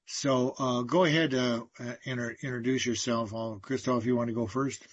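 A man hosting a community radio talk show, introducing guests hesitantly with many pauses. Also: medium pitch, steady tone, no room sound, dull audio.

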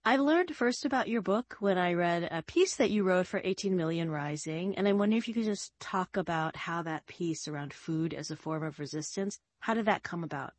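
Woman, radio host, husky, lowish pitch, friendly, measured, dry. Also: no room sound. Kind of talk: hosting an interview.

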